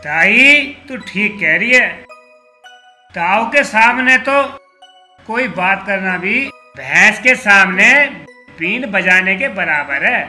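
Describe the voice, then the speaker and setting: A man's voice: high-pitched, lively intonation, takes it slowly, pushed and bright, faint music behind, heavily acted. A man playing an exasperated village priest. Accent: Haryanvi. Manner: exasperated, fussy. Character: fretful village priest matchmaker (Pandit ji). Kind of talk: comedic film acting.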